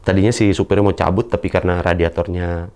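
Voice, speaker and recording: A young man, performing a stand-up storytelling monologue. He acts out the other people in his story with sudden high-pitched shouts. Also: little pitch movement, fast talker. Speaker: stand-up comedian.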